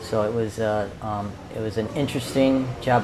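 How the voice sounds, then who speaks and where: A man with an American accent speaks with monotone, flat intonation against noticeable background noise. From Connecticut, US. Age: 50s. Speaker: retired biomedical equipment technician and expat. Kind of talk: casual interview. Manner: hesitant, many fillers. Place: cafe.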